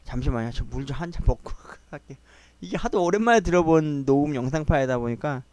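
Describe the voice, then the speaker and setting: A man's voice: on the high side, fast talker, dry recording. Agitated man retelling a family fight. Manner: agitated, animated retelling, quoting people in raised voices. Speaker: channel host telling a family story. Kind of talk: casual storytelling monologue.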